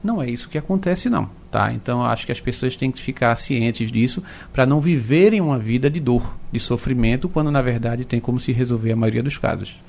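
A man, an orthopedic doctor explaining calmly on radio with plain comparisons. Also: mid-range voice, fairly quick, vocal fry, few pauses.

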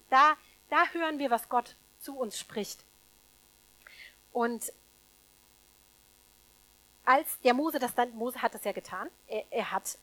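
A woman preaching a sermon to a congregation, emphatic, swinging between loud stresses and hushed asides, with rhetorical questions to the listeners. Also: a little high, low-quality recording.

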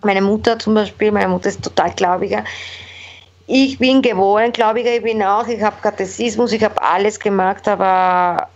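A Mexican woman whose first language is Spanish speaks halting, non-native German as a guest in a casual interview. Her voice is mid-range, full of fillers and restarts, and the recording sounds dull and lo-fi.

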